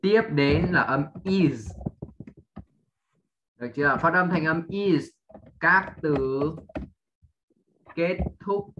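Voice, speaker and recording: Slow, patient male English teacher. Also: on the high side, lo-fi sound, noisy background. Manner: patient drilling, often checking understanding with short questions; spells out letters one by one. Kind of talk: online English lesson for a child.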